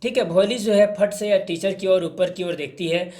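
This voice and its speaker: High male voice, patient schoolteacher explaining a lesson to students, filler-heavy, reads the text slowly. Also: a little mellow, reverberant. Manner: reads English lines slowly, then explains with many fillers. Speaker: English teacher. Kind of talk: explaining a textbook story in Hindi.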